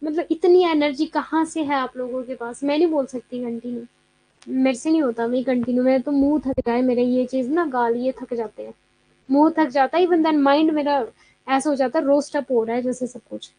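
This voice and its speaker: High-voiced chatty woman teaching online. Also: normal speed, mellow, no echo. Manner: chatty, mixes Hindi with English terms; answers students' chat comments aloud. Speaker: exam coaching teacher. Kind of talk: live online class.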